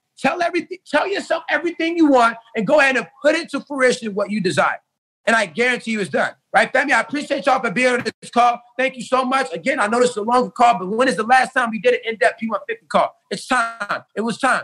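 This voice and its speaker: A man talks very fast in a raised, projected voice, his extremely high pitch carrying a bright, sharp tone and lively intonation. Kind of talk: pep talk. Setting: video call. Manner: fired-up, emphatic, repeats phrases for punch.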